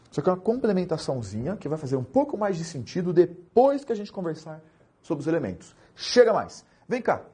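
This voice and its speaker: A young man with a Brazilian Portuguese accent teaching administrative law in a lively lecture, joking and asking rhetorical questions. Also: a little high, breathy edge. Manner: animated, jokey, asks rhetorical questions.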